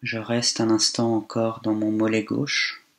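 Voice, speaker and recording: A man leading a guided body scan meditation in a calm, unhurried way, leaving long pauses between phrases. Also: fairly low pitch.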